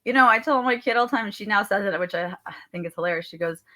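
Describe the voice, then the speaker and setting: Bright, passionate motivational woman. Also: medium pitch, very fast. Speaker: guest author and grief recovery speaker. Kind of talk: casual interview chat.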